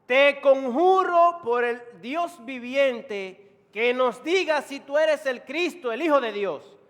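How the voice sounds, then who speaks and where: Man acting out a demanding priest, Dominican accent, high and forceful, echoing church. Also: expressive, takes it slowly, heavily acted. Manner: loud, forceful and drawn out.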